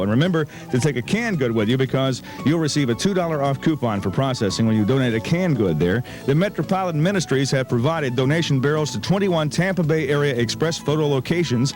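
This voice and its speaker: A man hosting a morning radio show, moving between chat and live ad reads. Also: mid-range voice. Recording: radio aircheck with music behind.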